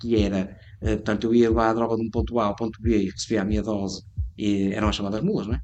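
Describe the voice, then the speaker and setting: At a fairly quick pace, a man talks at medium pitch in an ordinary speaking voice. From Portugal, Braga. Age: 40s. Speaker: person in addiction recovery. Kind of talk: testimony.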